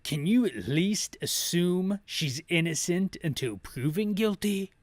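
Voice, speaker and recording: A man voicing an earnest, defensive action-game hero, reading the dialogue in a deliberate, emphatic way. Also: high voice, lively intonation, no room sound. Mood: urgent, resolute.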